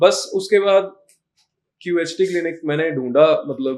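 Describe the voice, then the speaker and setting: A man speaks with a slight Punjabi accent. His pitch is fairly high, with ordinary variation. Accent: Punjabi touch in Hindi. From Punjab, India (Patiala). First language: Punjabi (speaking Hindi). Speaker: patient, comedy video creator. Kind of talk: testimonial interview. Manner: casual, chatty.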